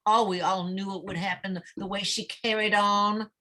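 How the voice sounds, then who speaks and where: A woman acting as an anxious, needy middle-aged small-town mother in a script read, halting and stammering as she talks. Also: medium pitch, fairly even intonation, pushed and bright, close to an everyday voice. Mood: wistful, gossipy. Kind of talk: dramatic table read of a screenplay.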